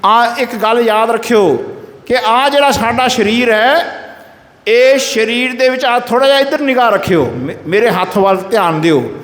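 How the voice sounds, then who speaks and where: A man giving a Sikh sermon to a congregation. He intones scripture slowly and calls on listeners to answer him aloud. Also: extremely high pitch, fairly bright tone. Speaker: Sikh preacher. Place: gurdwara hall in a village. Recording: echoey hall with long reverb.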